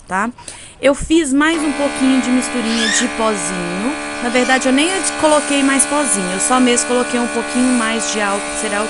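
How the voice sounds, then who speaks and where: A Brazilian woman with a honking, nasal voice stuffed up by a cold, chattily narrating a casual tutorial and often checking in with viewers. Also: fairly high pitch. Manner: chatty, addresses viewers with frequent tag questions. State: congested from a cold. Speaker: cake decorating channel host. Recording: clearly noisy home recording.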